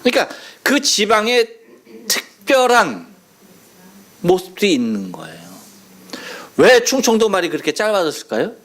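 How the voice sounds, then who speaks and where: Man, pastor, Chungcheong accent, sermon, playful storytelling, fairly high voice, lively pitch. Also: measured pace, pauses often. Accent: Chungcheong Korean. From Chungcheong, South Korea. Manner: playful storytelling, mimicking dialect phrases with laughter. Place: church sanctuary.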